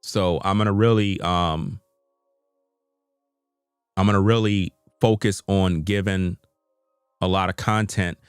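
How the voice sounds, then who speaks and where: A man's voice: deep voice, steady tone, takes it slowly, long pauses, smooth, no room sound, clean studio sound, faint music behind. A man, talking to his viewers in an unscripted live stream from his computer, earnest and repetitive, with informal slang. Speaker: YouTube content creator. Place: home room at a computer.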